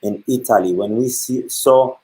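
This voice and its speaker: A middle-aged man from Haiti, a Catholic priest speaking earnestly about faith, pausing often and filling gaps with "uh". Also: mid-range voice, dark tone, low-quality recording. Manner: earnest, with many pauses and fillers. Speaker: guest speaker. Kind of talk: reflective talk on faith.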